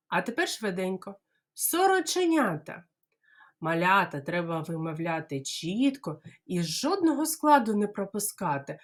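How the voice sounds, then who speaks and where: Slow, animated Ukrainian kindergarten teacher. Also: female voice, on the low side. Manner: slow, exaggerated syllable-by-syllable modelling; playful bird-call imitations. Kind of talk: speech lesson for small children.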